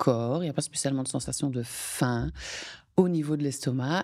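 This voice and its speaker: This woman's very deep, low pitch pairs with a dark, mellow tone as she speaks at a moderate pace. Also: quiet background. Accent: slight Belgian. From Belgium, Liège region; Belgium. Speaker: dietitian; guest. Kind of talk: interview. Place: studio. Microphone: studio mic.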